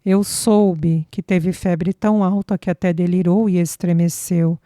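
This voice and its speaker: A woman's voice: lowish voice, steady tone, measured pace, dark tone, no echo, clean studio sound, close to an everyday voice. A woman reading an older immigrant father who speaks bluntly and drops Italian words into his talk.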